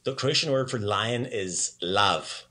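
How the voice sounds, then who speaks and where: Man, language teacher, upbeat and chatty, slow clear repetitions, bright voice. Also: fairly low pitch, expressive. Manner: upbeat, chatty, repeats words slowly for learners. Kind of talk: casual puppet-show language lesson.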